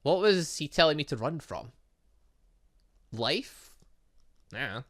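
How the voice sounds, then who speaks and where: Animated, bright-voiced man doing let's-play commentary. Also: a little high, slow pace, no room sound, studio quality. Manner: excitable, rambling, thinks aloud with asides and exclamations. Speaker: gaming channel host. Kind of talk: let's-play commentary, reading game dialogue aloud.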